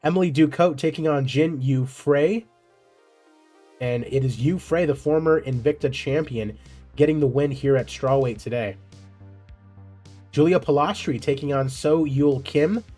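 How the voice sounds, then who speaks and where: A man hosts a gaming series, running through simulated fight results in a relaxed, conversational way. His pitch sits in an ordinary middle range, and he drops offhand asides as he goes. Faint music plays underneath. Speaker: video game series host. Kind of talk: casual commentary on a simulated MMA career.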